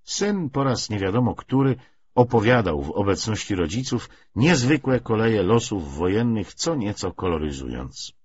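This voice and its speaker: Male literary narrator, lowish register, animated intonation, measured dramatic delivery. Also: slightly rough, no room sound. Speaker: audiobook narrator. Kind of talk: expressive literary audiobook narration. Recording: slightly dull, muffled recording.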